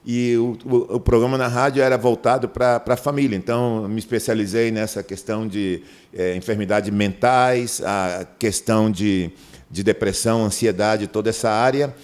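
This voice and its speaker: A man's voice: on the low side, moderate pace. A middle-aged man from Manaus, Brazil, a pastor in a podcast interview who tells stories and acts out the dialogue. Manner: animated storyteller, acts out dialogue in a raised voice.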